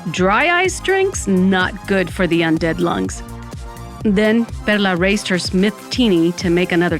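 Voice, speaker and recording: A woman's voice: mid-range voice, fairly bright tone. A woman playing a wry undead Latina who narrates her own story with dramatic flair in a comic audio drama. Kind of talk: first-person comic audio fiction narration. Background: music.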